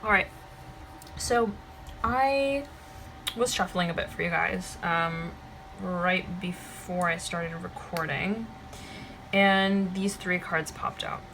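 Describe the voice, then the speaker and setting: A woman with a slightly hoarse voice gives a tarot reading to her viewers, meandering and checking in with "okay?" and "right?". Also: lowish voice, slow pace, pauses often, background noise. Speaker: tarot reader.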